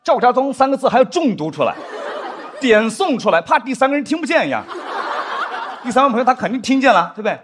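A young adult man performing a stand-up comedy set on a studio stage, animated, now and then acting out stiff drama lines in a lower voice. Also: fast talker, noisy background. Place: studio stage with live audience. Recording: studio stage with audience laughter. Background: audience laughter.

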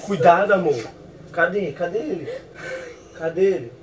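A man's voice: high-pitched, normal speed. A young man pranking his partner for a casual vlog, teasing her and laughing between dramatic exclamations. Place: inside a house at night. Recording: noisy handheld home recording.

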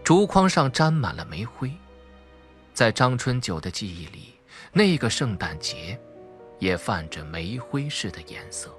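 A man's voice: fairly low pitch, very animated, measured pace. A man reading a novel as dramatic scripted narration. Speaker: audiobook narrator. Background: background music.

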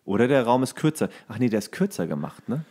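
Man chatting casually, mid-pitched voice. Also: very animated, fast talker, warm tone, breathy edge. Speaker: podcast co-host. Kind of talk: casual anecdotal chat.

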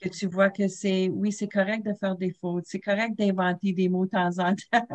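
A woman's voice: mid-range voice, level tone, normal speed. A middle-aged woman with a Franco-Ontarian French accent telling stories on a video call. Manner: storytelling, warm laughs. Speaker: panelist. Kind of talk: casual video-call discussion.

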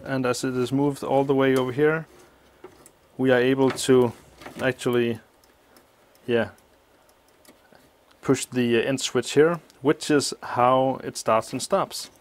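A man explaining a teardown of an old appliance at a workshop bench, thinking aloud with many pauses, his voice slightly muffled by a mask. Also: mid-range voice, steady tone, slight background noise. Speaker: electronics teardown host. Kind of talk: hands-on technical walkthrough.

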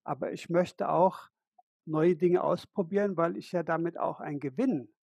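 A man's voice: fairly high pitch, normal speed, vocal fry, darkish tone, breathy edge, no echo, clean studio sound. An older man co-hosting a live podcast over a headset on a video call, talking earnestly and explaining with examples. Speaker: podcast co-host. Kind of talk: casual live podcast conversation.

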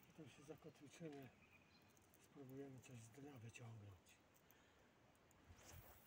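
A man's voice: mid-range voice, a little slow. A man giving casual, muttered commentary while fishing outdoors from a boat, talking partly to himself. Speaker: fishing show host. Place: outdoors, on a boat on open water. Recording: windy, noisy outdoor recording, distant mic.

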